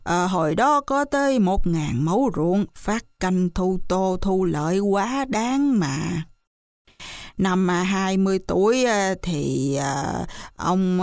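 An old villager rambles hesitantly, filling every pause with drawn-out sounds, as a woman acts him out. The pace is very slow. The sound is dry and close. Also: mid-range voice, a little mellow, dry recording. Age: older. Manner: hesitant, full of drawn-out fillers.

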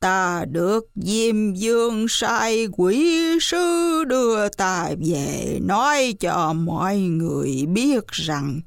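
A trickster monkey fakes a dead squire's ghost and speaks slowly, gravely and accusingly, as a woman puts him on. The voice drops a little lower. It sounds close and dry. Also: no room sound, heavily acted.

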